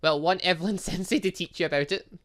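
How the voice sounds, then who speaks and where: A man's voice: sits high, fast talker, a bit bright, voice pushed up. A man voicing a cheeky, blunt young female student who teases and lectures, in a visual novel game. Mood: lecturing. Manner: teasing, lecturing.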